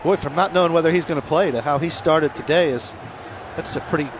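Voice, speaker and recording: A man's voice: on the high side, fast. A man doing live play-by-play commentary of an American football game from a broadcast booth. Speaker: play-by-play announcer. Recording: broadcast booth with crowd noise behind.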